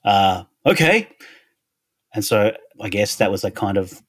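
A man's voice: fairly low pitch, expressive, a little slow, a bit bright, husky, no echo, clean studio sound. A middle-aged Australian man with an Australian accent, a guest speaking thoughtfully in a casual interview, often restarting his phrases. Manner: thoughtful, restarts phrases, lists words in a row. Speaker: podcast guest, Anglican minister.

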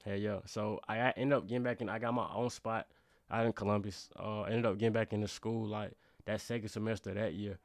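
Young black american accent guy, lowish voice, dry close sound, slangy casual storytelling. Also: steady tone, fairly quick, no room sound. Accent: African American. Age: young adult. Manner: slangy, conversational, often says bro and you know what I'm saying.

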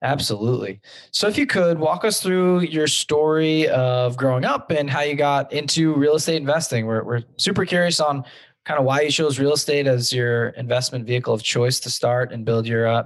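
A man hosts a podcast interview at an ordinary mid pitch. He welcomes the guest and asks his questions in a friendly, slightly halting way. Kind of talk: casual interview.

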